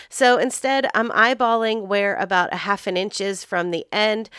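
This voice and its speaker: A woman talks through a craft project one step at a time, upbeat and chatty. Her voice is slightly nasal from a lingering cold but still smooth and clean. It sounds close and dry, with no room echo. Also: mid-range voice, a bit bright. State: nasal from getting over a cold. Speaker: craft channel host. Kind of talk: step-by-step craft tutorial narration.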